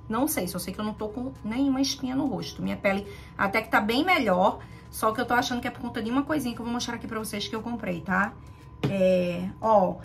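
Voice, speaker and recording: A woman's voice: on the high side, a bit bright. A woman in her thirties with a Brazilian Portuguese accent, chatting informally to camera as a beauty vlogger, often checking in with viewers. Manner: chatty, informal, frequent tag questions to viewers. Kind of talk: casual chat to camera, product haul. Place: walk-in closet at home, indoors.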